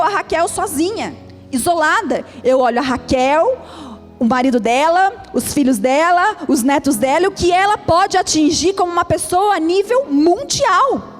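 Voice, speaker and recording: A woman pastor with a Brazilian Portuguese accent, preaching a sermon in an emphatic, repetitive cadence. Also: very high voice. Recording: reverberant hall with faint music.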